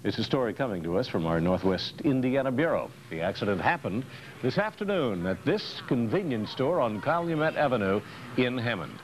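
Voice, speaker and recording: On a noisy archival 1990s TV newscast tape, an American man reads scripted news narration. His mid-range voice has a sing-song lilt and a brisk pace.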